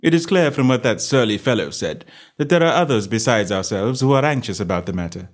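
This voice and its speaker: A man voicing a calm, self-assured male detective with a bland, measured manner. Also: medium pitch, natural voice.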